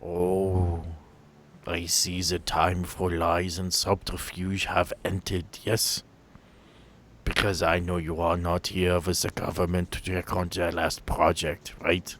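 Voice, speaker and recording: A man's voice: low voice, monotone, slow pace, a bit bright, voice pushed down. A man voicing an unrepentant, courteous old German scientist in a tabletop game, with formal, rambling speech. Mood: coolly confessing. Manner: formal, rambling, tagging questions with "yes?" and "right?".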